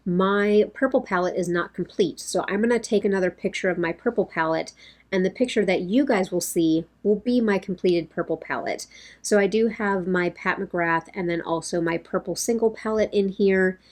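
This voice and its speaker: A woman in her thirties, slightly hoarse, chatting casually to camera in a rambling way from her home makeup room. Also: mid-range voice, normal speed, a little mellow. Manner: rambling, talks with her hands. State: a bit hoarse, losing her voice. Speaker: beauty vlogger.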